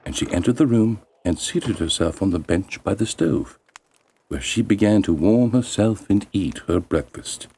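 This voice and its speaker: A man narrating a bedtime fairy tale as a storyteller, in a measured, expressive and deliberate way. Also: lowish voice, breathy edge.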